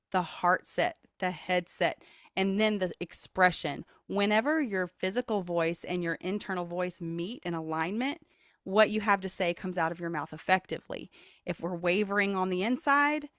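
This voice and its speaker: A vocal leadership coach, a woman, is interviewed on a podcast in studio-quality audio with no echo. Motivational and sincere, she's highly expressive, leaping into playful demo voices with large pitch shifts.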